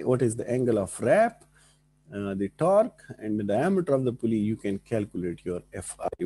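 A man's voice: mid-range voice, dark tone, slightly rough. A man with a South Asian accent giving an engineering lecture, mixing Hindi-Urdu phrases into English and often checking understanding with short questions. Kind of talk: classroom lecture with board working and questions to students.

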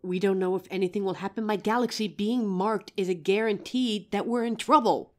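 A woman's voice: medium pitch, brisk, lightly acted. A young woman voicing an anxious, protective female werewolf who stammers and sighs as she talks to her partner. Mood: worried. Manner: hesitant, stammering, sighing often. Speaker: voice actor in audio roleplay. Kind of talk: audio roleplay for a listener.

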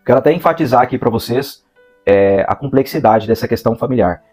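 A Brazilian man in his thirties tells his life testimony in a steady mid-range voice, close on a lapel mic. He speaks earnestly, slowing and stretching words to stress them, with faint music under him. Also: mid-range voice. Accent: Brazilian Portuguese, São Paulo interior. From Brazil, interior of São Paulo state. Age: 30s. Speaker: missionary giving a testimony. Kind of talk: religious testimony to camera. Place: indoor room, seated in a gaming chair. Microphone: clip-on lapel mic.

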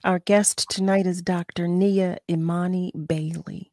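A woman in her forties hosting a radio talk show, chatty and quick to jump in, speaking into a studio mic. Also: on the low side, flat delivery, darkish tone, no echo. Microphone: headset with studio mic.

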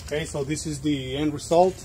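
Young man, slightly high voice, noisy recording. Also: fairly even intonation, a little fast, warm tone. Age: young adult. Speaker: DIY bike vlogger. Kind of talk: step-by-step tutorial narration.

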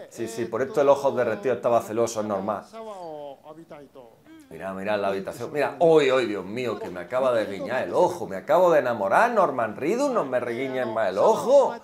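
A young man giving sarcastic reaction commentary, mocking everything with exaggerated mock delight. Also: mid-range voice. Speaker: youtuber reacting to a game demo.

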